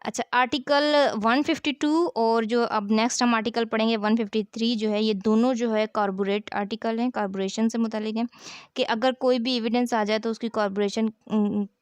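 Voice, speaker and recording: A woman's voice: fairly high pitch, fairly even intonation, moderate pace, clean tone, no room sound. A woman with a South Asian accent giving an explanatory lecture as a law teacher, didactic, posing questions and answering them, repeating key phrases.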